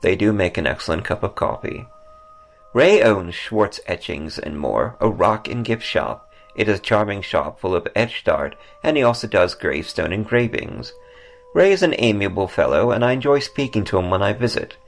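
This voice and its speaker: A man's voice: fairly low pitch, lively intonation, moderate pace, gravelly. A man hosting a podcast, reading scripted ghost stories and travel notes over music. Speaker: podcast host and author. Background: background music.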